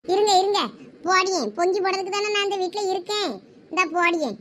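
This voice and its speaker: Nagging village mom, very high bright voice, Thoothukudi Tamil accent, cartoon. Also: female voice, quick pace. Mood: scolding. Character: sharp-tongued scolding village mother. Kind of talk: cartoon voice acting.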